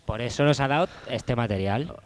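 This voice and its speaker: A man, co-hosting a casual radio show, chatty and quick to swear. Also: medium pitch, dry recording. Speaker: radio co-host.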